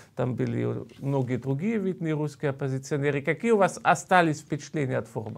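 With a German accent, a man speaks at a fairly quick pace with hardly any pauses. His pitch is fairly high, with ordinary variation. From Germany. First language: German (speaking Russian). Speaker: TV interviewer. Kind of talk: interview. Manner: hesitant with filler sounds. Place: studio. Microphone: lapel.

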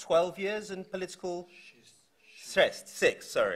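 This is a man speaking. He has a British accent. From London. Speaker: writer and panel moderator; panel moderator. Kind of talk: panel moderation. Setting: stage with audience. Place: hall. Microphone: podium.

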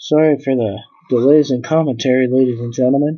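A man at a medium pitch, fairly quick in pace, with fairly even intonation. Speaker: wrestling video game commentator. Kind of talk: live play-by-play commentary over a wrestling video game, with a YouTube sign-off. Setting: solo recording, no audience. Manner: stumbles and corrects himself, apologizing for slips.

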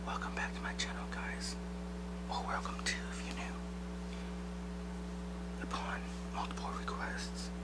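Speech at a moderate pace, broken by long, frequent pauses, comes over loud background noise. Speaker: ASMR creator. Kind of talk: ASMR talk to camera. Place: home room.

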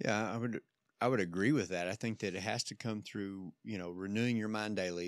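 A man's fairly quick speech with a Southern US accent, fairly even intonation, dry sound with no echo and a quiet background. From US South. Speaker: podcast co-host. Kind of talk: casual chat. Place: studio. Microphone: studio mic.

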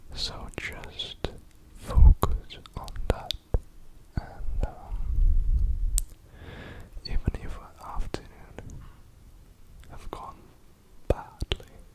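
Whispering at a very slow pace, a man leaves long, frequent pauses, and his loudness swings widely. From British. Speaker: ASMR creator. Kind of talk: ASMR talk to listener. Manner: whispered. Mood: gentle, encouraging. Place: home room. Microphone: studio mic.

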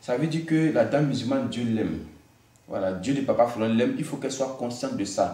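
Over audible room echo, a man talks at a fairly quick pace with ordinary pitch variation. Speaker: bishop. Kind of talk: preaching. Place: studio.

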